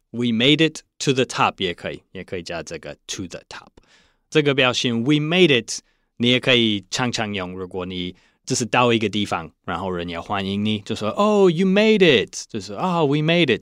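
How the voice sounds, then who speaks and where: A man teaching in casual chat, mixing Mandarin and English and repeating each example sentence. His voice sits low, and the recording is close and dry with no room sound. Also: fairly bright tone, dry recording.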